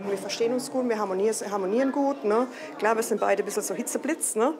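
A woman talking quickly in a casual interview, tagging her sentences with questions. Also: mid-range voice. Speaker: partner of the organizer. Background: bagpipe music and crowd.

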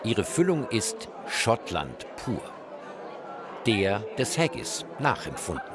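Lively low-voiced male news narrator. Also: over a noisy crowd. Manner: brisk, lively news delivery. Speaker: news reporter. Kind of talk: scripted voice-over narration. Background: bagpipe music.

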